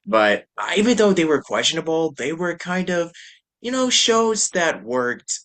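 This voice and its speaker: In a relaxed podcast chat, the male host rambles freely and laughs often. His voice is on the high side, a bit bright, and sing-song, with an unhurried pace.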